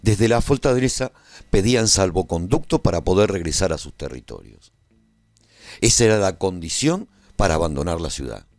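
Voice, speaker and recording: A man playing a humane war survivor who recounts his own story in an expressive, reflective radio drama narration. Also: lowish voice, dry recording. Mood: firm, narrating.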